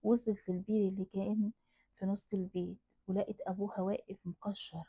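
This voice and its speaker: Egyptian woman telling a scary story, lots of repeating, dry flat phone-like audio. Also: medium pitch, a little fast, breathy edge, no echo. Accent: Egyptian Arabic. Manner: dramatic, repeats phrases for emphasis. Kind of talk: horror story narration. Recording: dry tinny phone-like sound.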